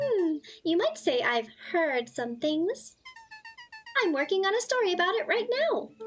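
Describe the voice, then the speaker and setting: Faint music plays behind a woman doing a put-on character voice at an extremely high pitch, with very wide pitch swings, a moderate pace and long, frequent pauses. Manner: cute, light voice.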